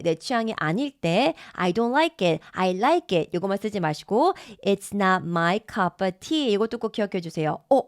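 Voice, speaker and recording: Female teacher, animated delivery, dry close sound; repeats phrases slowly, encouraging. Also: mid-range voice, no echo. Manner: encouraging, praises listeners often. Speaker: English teacher. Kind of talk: online English pronunciation lesson.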